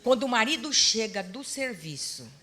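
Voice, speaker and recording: A middle-aged woman pastor preaches to a church seminar in a high voice. Her delivery swings between soft, confiding storytelling and loud, emphatic exhortation. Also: moderate pace. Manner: lively storytelling, acts out quoted dialogue.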